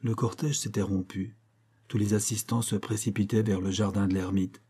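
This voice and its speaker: Low warm husky guy reading an audiobook, measured storyteller. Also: little pitch movement. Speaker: audiobook narrator. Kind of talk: scripted narration.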